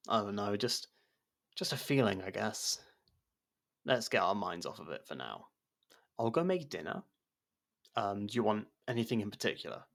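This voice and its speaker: A man playing an abrasive but protective murderer turned investigation partner in an intimate ASMR audio drama, speaking in a halting, guarded way. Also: on the low side, gravelly, a bit bright, full character voice. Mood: evasive, awkward.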